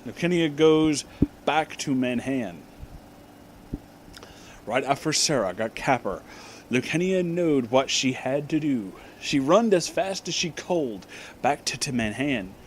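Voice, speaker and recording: A man giving a comic dramatic reading, deliberately enunciating garbled words and dropping in casual asides. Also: medium pitch, animated, a little hiss or hum. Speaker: reader and commentator of bad fan fiction.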